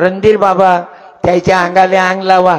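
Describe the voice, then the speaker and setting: A man talks at a high pitch. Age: 80s+. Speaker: kirtan preacher. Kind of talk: kirtan sermon. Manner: animated.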